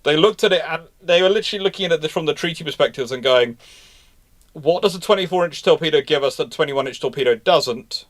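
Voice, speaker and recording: A man hosting an unscripted question-and-answer talk, speaking emphatically but haltingly, doubling back and repeating himself to stress points. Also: on the high side. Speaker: naval history host answering live questions.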